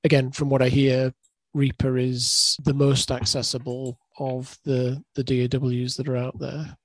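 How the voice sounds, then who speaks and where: A man's voice: mid-range voice, flat delivery, measured pace, dry recording. A middle-aged man, a guest musician, talking hesitantly in an interview and repeating words as he searches. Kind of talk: casual interview chat.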